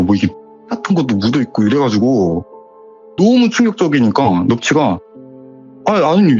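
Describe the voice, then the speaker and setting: A man retells a horror story in a chatty, animated way, his voice swooping up and down for effect. His voice has a husky edge. The recording is a bit dull, with quiet music behind him. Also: medium pitch.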